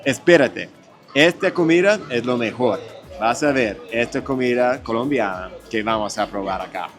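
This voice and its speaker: A man's voice: medium pitch, animated, normal speed, music in the background. A man hosting a food vlog in a restaurant, chatting casually and stopping often to search for his words. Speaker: vlog host tasting food.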